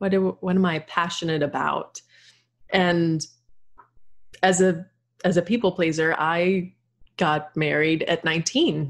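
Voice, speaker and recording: A woman with a Texan accent, fairly low in pitch, with ordinary pitch variation and a very slow pace. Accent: Texan American. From North Texas. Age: 40s. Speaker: school counselor and life coach. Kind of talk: casual interview chat.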